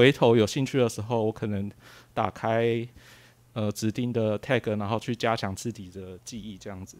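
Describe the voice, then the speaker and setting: The pace is moderate and the intonation fairly even. Loudness swings widely, and the recording is very clean with a silent background. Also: man, medium pitch for a man. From Taiwan, Kaohsiung. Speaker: software engineer and conference speaker. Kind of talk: technical conference talk. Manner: halting, many filler sounds.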